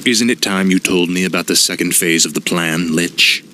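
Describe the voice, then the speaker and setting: An actor playing a ruthless fallen prince turned death knight who talks in a cold, proud voice, in a game cinematic. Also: male voice, deep voice, fairly even intonation, normal speed, noisy background, close to an everyday voice. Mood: probing. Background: orchestral music.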